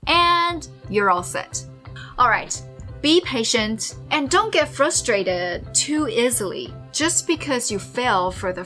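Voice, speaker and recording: A woman's voice: on the high side, fairly bright tone. Woman host, earnest. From Taiwan. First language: Mandarin. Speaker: host and English learner. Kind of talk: casual interview then talk to camera.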